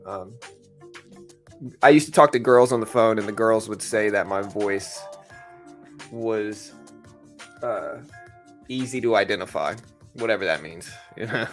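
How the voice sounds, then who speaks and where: A man with a raspy voice hosting a live trading stream, talking to chat in a laid-back, slangy way. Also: fairly low pitch, measured pace, long pauses. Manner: laid-back, slangy, addressing viewers as bro. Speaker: livestream host, stock trader. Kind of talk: casual live market commentary with chat. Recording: music playing behind the voice. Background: music.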